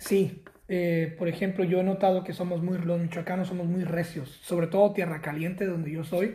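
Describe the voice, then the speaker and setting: A man speaks at a high pitch with a dark, mellow tone. His intonation is monotone and flat, and his pace is moderate. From US-born, raised partly in Michoacán, Mexico. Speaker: podcast host and author. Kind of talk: casual conversational interview. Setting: in person recording.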